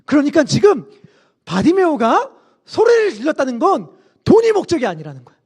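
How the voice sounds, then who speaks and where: A male pastor preaching a sermon, telling the story in an animated way and acting out its scenes. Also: extremely high pitch, fairly quick.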